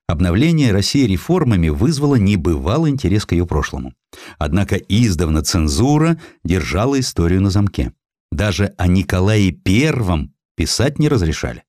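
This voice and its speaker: A man reading a scripted historical sketch as an audiobook narrator, in with an expressive, theatrical storytelling delivery. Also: low-pitched, normal speed, no room sound, studio quality. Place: studio.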